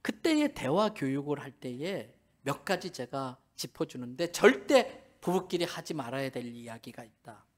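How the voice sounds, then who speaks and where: A man's voice: medium pitch, moderate pace, few pauses. A middle-aged man, a pastor, preaching a Sunday sermon in a church and telling stories with humor. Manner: animated storytelling, acting out dialogue with humor. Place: church sanctuary.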